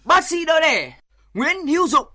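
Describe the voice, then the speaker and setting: An actor playing a young soldier who talks in a rushed, stammering way as he helps deliver a baby. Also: extremely high pitch, big pitch swings, sharp tone, full character voice. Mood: proud. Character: young male soldier, panicky and jokey helper. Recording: clear music behind. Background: music.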